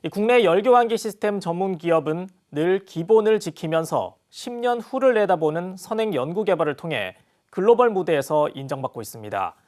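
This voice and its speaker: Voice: mid-range voice, expressive, brisk, hardly any pauses, darkish tone. A news reporter reading scripted narration for a broadcast industry report.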